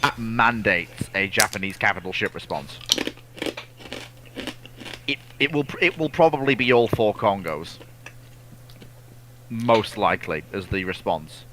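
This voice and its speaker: A man's voice: on the low side, lively intonation, measured pace, pauses often, background noise. A man co-hosting a casual history discussion, reading out and answering viewer questions, often repeating words and restarting phrases.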